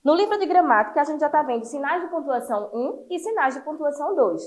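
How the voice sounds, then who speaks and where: Lively high-voiced woman teaching children. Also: fast talker. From Brazil. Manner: lively, encouraging, explains step by step. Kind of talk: online class for children.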